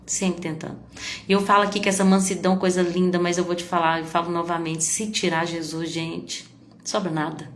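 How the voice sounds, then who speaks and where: A woman preacher, giving a confessional, emotional sermon that now and then bursts out loudly. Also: lowish voice, level tone, brisk, reverberant. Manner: confessional, emotional preaching with sudden loud outbursts.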